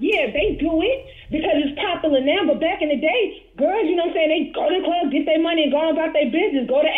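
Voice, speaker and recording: Through noticeable background noise, a woman with an extremely high pitch and an animated tone speaks at a very fast pace with hardly any pauses, very even loudness and ordinary pitch variation. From US Northeast, Brooklyn, New York. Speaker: live show guest. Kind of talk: heated opinion discussion on a livestream.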